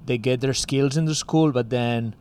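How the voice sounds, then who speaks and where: A music school co-founder from Spain, speaking with a Spanish accent, rambles through a casual interview chat, leaning on "like" and "you know" again and again. His voice is mid-range and a little mellow at normal speed, over slight background noise.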